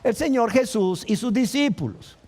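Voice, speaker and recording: A man preaches from the pulpit in a high-pitched voice. He delivers his sermon with passion and urgency, often taking on the voices of the people in the story he tells. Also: expressive, normal speed, a little mellow. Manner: impassioned preaching, acting out voices of the crowd and the blind man. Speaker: pastor.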